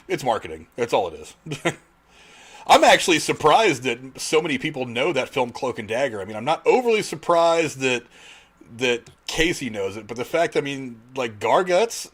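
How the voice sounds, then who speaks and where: A man's voice: mid-range voice, very animated, normal speed, a bit bright, breathy edge. Man explaining things in a casual panel chat. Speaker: podcast host.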